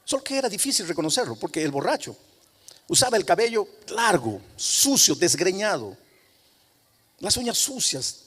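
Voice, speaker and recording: A male pastor telling a story in a sermon, often dropping to hushed tones. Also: sits high, very animated, normal speed, slightly rough. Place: large coliseum hall. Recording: long reverb of a large hall.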